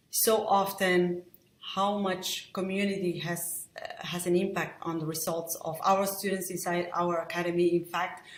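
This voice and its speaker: Woman podcast host from Argentina, lower voice, thinking aloud, echoey room. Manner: reflective, many restarts and "right?" tags. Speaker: podcast host, lettering artist. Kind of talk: solo podcast monologue.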